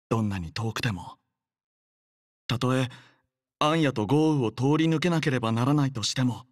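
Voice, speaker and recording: An earnest young male soldier from a video game. He speaks in a mid-range voice with gentle, measured courtesy and sincere devotion. The sound is dry, with no room around it. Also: mid-range voice, dry recording. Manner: polite, soft-spoken, measured, sincere. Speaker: voice actor. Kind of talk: acted game character voice lines.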